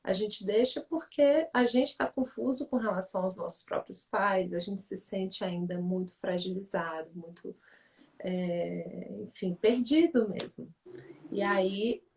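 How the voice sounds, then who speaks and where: A woman talks through family relationships in a calm, teacherly way, her voice sitting at an ordinary middle pitch. She keeps checking in with her listener. The mic is set a little way back from her, so she sounds slightly removed. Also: a little slow, gravelly. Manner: reflective, teacherly, frequent "né?" check-ins. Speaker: author and family-relations speaker in a livestream. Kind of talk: explanatory talk in a live conversation. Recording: voice somewhat distant from the mic.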